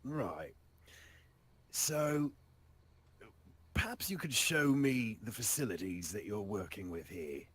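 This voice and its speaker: A man's voice: lowish voice, expressive, takes it slowly, long pauses, breathy edge, full character voice. A man voicing a polite, genteel adventurer in a tabletop fantasy game, with a wordy, diplomatic manner. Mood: placating. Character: polite, genteel male adventurer smoothing over quarrels.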